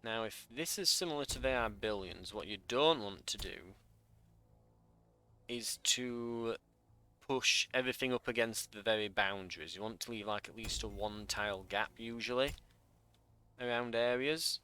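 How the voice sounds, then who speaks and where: A man's voice: on the low side, normal speed, sharp tone, slight background noise. A man giving casual let's play commentary, thinking aloud in a wry way.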